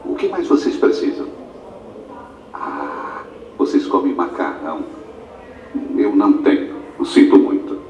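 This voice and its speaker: An actor playing a stern Brazilian farm owner who speaks to newly arrived immigrants in a curt, commanding way, heard in a museum exhibit. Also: male voice, low voice, big pitch swings, unhurried, long pauses, a little mellow, muffled recording, a little hiss or hum. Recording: echoey room, heard from far off.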